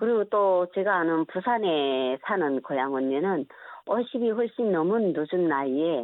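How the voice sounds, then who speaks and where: This woman has a plain, everyday voice and a fairly low pitch. She talks at a fairly slow pace with lively intonation. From North Korea, Chongjin. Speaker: North Korean defector, regular guest. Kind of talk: radio interview.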